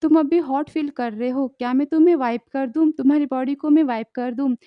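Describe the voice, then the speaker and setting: A woman's voice: high voice, fairly even intonation, a little fast, no echo, dull audio, close to an everyday voice. A woman voicing a caring, fussy mother in a drama recap. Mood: fussing. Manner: fussing, motherly.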